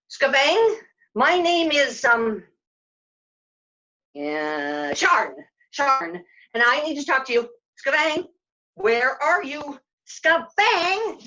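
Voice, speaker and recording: A woman playing a flustered, forgetful but plucky young heroine in a puppet show, halting and excitable. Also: high-pitched, voice pushed up, exaggerated voice. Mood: nervous. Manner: halting, excitable, self-questioning. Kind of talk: puppet show character acting. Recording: dull, lo-fi sound.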